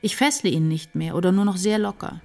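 An introspective woman writer in a radio play. Her low voice narrates in measured, deliberate literary phrases, with music underneath. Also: animated, a little mellow. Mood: wistful. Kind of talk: literary first-person radio drama narration.

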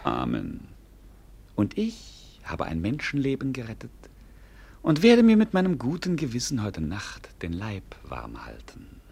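Husky, swooping, mocking jester. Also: male voice, lowish voice, huge pitch swings, a little slow, a little mellow, heavily acted. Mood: wry, earthy. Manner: theatrical, sardonic, mock-pompous. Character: mocking, down-to-earth jester companion of a prince. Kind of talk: classic German radio play acting, comic.

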